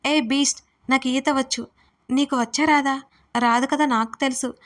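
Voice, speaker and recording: A woman voicing a playful, childish young woman who squeals and shouts in an audio story. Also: sits high, fairly even intonation, moderate pace, natural voice. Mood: loud playful.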